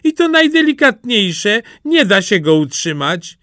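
A man voicing a cheerful, simple-minded young peasant lad who shouts happily as if from a distance, in a storybook reading. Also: sits high, very animated, unhurried, no echo, clean studio sound, voice pushed up, exaggerated voice. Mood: gleeful shouting. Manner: shouting gleefully from afar.

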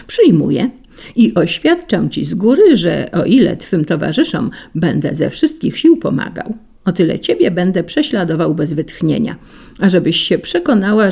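A spiteful wind spirit from a storybook, a male troublemaker who taunts and brags, as a woman reader puts him on. The voice is low and gravelly with a husky grain. It jumps up in pitch when it gloats. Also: warm tone, full character voice. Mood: boastful. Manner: sly and taunting, rising to bluster.

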